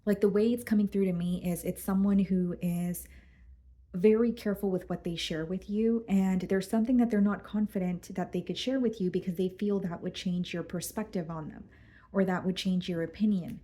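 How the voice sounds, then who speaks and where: A woman's voice: medium pitch, fairly even intonation, moderate pace, mellow. Tarot reader losing her voice. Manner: careful, hesitant, repeats words. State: losing her voice, clearing throat. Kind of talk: tarot reading.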